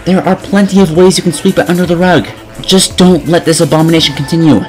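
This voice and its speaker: A man's voice: on the high side, fairly even intonation, quick pace, a little mellow, faint music behind. A twenty-year-old man narrating a scripted video game review in a sarcastic, opinionated way. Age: 20 years old.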